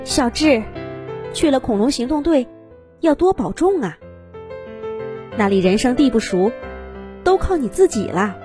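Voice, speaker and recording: A woman's voice: sits high, sing-song, a little slow, pauses often, darkish tone, faint music behind, voice pushed up. A woman voicing a loving, worried mother dinosaur in a children's story, nagging tenderly and anxiously. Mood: tender advice.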